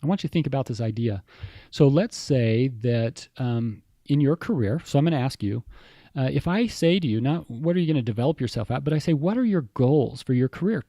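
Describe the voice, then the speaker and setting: A man talks as an interview guest, warming to his point with animated, enthusiastic storytelling. His voice is mellow and relaxed in tone, and the sound is dry and close, with no room around it. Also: medium pitch, brisk, no echo. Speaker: HR executive guest. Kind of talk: interview conversation.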